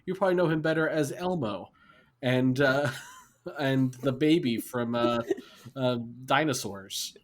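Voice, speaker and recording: A man's voice: mid-range voice, unhurried. A man co-hosting a podcast, explaining things in a wry, joking way. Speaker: podcast co-host. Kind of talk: casual chat.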